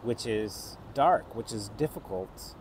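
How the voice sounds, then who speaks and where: Halting North American man reflecting. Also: mid-range voice, expressive, darkish tone, slight background noise. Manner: thoughtful, halting, with frequent restarts. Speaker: actor and theatre maker. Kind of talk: reflective personal vlog.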